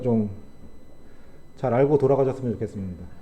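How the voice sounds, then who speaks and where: The voice belongs to a man. His speech carries audible room echo. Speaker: church member speaker. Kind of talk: personal testimony at church meeting. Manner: tends to speak fast when nervous.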